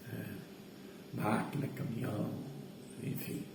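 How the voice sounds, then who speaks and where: Speaking at a very slow pace, a man is heard. There is noticeable background noise and audible room echo. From São Paulo. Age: 70s. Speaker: former circus performer and municipal works supervisor. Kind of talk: interview. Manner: halting, many repetitions.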